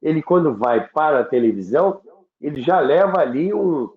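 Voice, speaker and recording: A Brazilian man hosting a reminiscing talk, halting and repeating words as he searches for them, on a roomy, dull recording. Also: fairly high pitch, lively intonation. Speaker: host of a radio history show.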